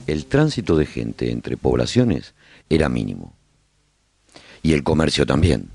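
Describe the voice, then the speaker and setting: A man narrating a radio drama as a survivor chronicling life in his colony, with measured, expressive storytelling. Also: a bass voice, creaky, husky, soft background music, heavily acted. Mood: reflective storytelling. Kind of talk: scripted first-person narration, radio drama.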